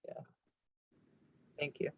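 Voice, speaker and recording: A woman from the Chicago suburbs introducing herself on a video call in a chatty, halting way, with frequent restarts. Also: dry recording. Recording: muffled, dry call audio.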